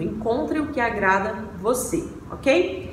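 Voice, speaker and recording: Light background noise and audible room echo accompany a woman as she talks. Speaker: fitness coach. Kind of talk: casual vlog advice. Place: gym. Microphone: phone near.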